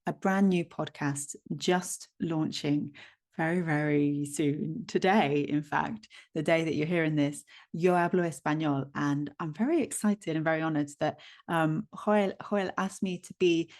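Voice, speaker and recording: A woman's voice: low-pitched, fairly even intonation, a little slow, a little mellow. Bubbly woman podcast host. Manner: bubbly, gushing, many fillers. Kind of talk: enthusiastic interview intro. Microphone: recording a video intro.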